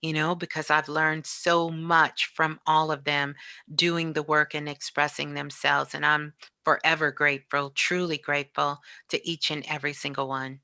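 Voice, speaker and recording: Woman, middle-aged, slightly low register, forceful delivery; emphatic, conversational radio-host type giving an interview. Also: flat delivery, moderate pace, clear, resonant tone, no echo. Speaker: guest, online radio show host. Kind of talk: casual spiritual interview talk.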